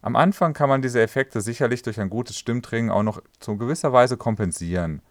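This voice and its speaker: A man explaining voice health as a voice coach, speaking calmly and addressing the listener directly in an instructive way. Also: medium pitch, brisk, no room sound.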